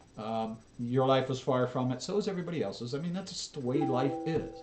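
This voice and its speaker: A man speaks at a fairly quick pace with lively intonation. Background noise is noticeable. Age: 60s. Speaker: reaction YouTuber. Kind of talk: reaction commentary. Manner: animated.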